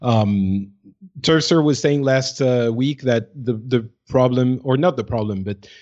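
A man's voice: mid-range voice, a little slow, a little mellow. Male gaming co-host, average register, casual hesitant chat, somewhat dull audio. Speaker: podcast co-host. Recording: slightly dull, lo-fi voice track.

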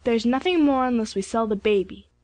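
A woman's voice: on the high side, fairly quick, darkish tone, no room sound, natural voice. A woman voicing a middle-aged country auctioneer with jovial showman patter.

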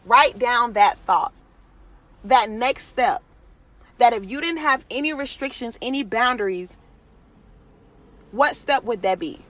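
A woman's voice: a little high, animated, a little slow, pauses often, fairly bright tone, rough recording. A woman hosting a podcast, giving an emphatic, exhorting motivational faith talk and repeating phrases for emphasis.

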